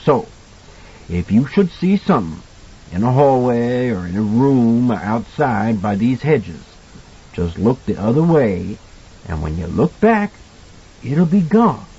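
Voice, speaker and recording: A man voicing a kindly older hotel cook in an audiobook, folksy and earnest as he gently cautions a child. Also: mid-range voice, big pitch swings, a little slow, slightly rough, highs cut off, heavily acted. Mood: gentle, reassuring. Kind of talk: audiobook character dialogue.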